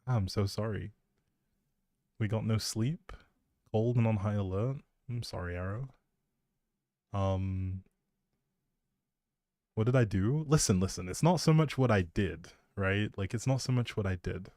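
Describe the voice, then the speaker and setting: A man's voice: on the low side, measured pace, long pauses, a little mellow, no echo. A man hosting a livestream, rambling casually and chattily, often breaking off mid-thought, speaking close to the mic. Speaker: live streamer, host.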